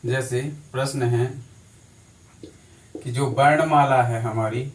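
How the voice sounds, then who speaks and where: A man's voice: mid-range voice, steady tone, takes it slowly. Man drilling a class from afar. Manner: drilling, repetitive question-and-answer. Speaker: teacher. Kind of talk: classroom lecture. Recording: echoey room from a distance.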